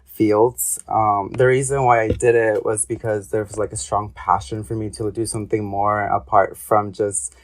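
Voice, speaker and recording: A man's voice: lowish voice, little pitch movement, moderate pace, few pauses. A young adult man from Ecuador, an interview guest talking casually with hesitant, rambling speech and many fillers. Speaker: guest, artist and graduate student.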